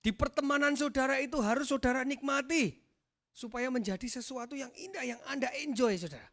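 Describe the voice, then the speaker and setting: A male pastor preaching a sermon in a joking, lively way, often calling out to his listeners and swinging between loud and soft. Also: very high-pitched, brisk. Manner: joking, addresses listeners as "saudara".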